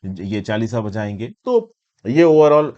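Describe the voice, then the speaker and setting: A man's voice: lowish voice, animated, slow pace, mellow, lo-fi sound. A man with an Indian accent giving an explanatory current affairs lecture, conversational and teacherly, mixing in English terms and posing questions as he goes. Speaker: educator and presenter of current affairs lessons. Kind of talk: explanatory lecture for exam students.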